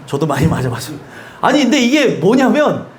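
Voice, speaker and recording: Animated high-voiced man preaching a sermon. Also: fairly quick. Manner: animated, questioning the congregation, laughing asides. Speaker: pastor. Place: church sanctuary.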